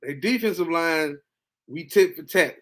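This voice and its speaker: Guy doing a sports podcast rant, casual and hyped, goes from low muttering to loud high excited bits. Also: unhurried. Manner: animated, swings between low mutters and excited high bursts. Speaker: podcast host. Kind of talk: casual sports reaction monologue.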